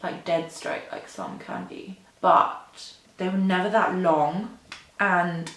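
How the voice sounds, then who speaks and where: A woman's voice: fairly low pitch, slow pace, fairly bright tone. A young woman in her twenties chats to camera while getting ready, drawing out her words unhurriedly. She rambles and pokes fun at herself, with plenty of fillers. Her voice rings a little in an echoey room. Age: 20s. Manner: rambling, self-deprecating, lots of "like" and "um". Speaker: beauty vlogger. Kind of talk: chatty get-ready-with-me rambling. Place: indoor room at a mirror.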